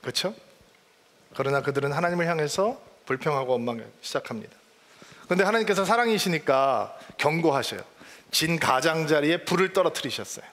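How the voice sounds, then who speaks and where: A pastor with a high-pitched voice preaches in an easy, conversational way and keeps questioning his congregation. His words carry a long reverb from the church sanctuary around him. The sermon moves along in a plain, talking tone. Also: lively intonation, brisk, a bit bright.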